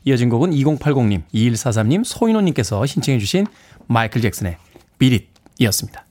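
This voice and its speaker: A man's voice: mid-range voice, fairly quick, slight background noise. Playful male radio DJ. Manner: lively, playful, laughs often. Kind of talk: radio show hosting. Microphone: studio microphone.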